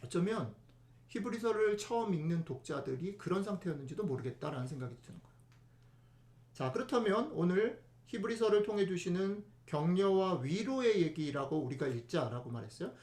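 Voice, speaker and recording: A man's voice: sits high, big pitch swings, a little fast, a little mellow, echoey room. A male pastor giving a conversational sermon, chatty and often asking the congregation rhetorical questions.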